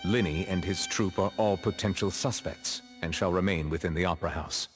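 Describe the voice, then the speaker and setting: A man voicing a solemn chief judge in a video game, measured and formal. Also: low-pitched, music in the background, close to an everyday voice. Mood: authoritative, calm. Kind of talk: English video game voice acting.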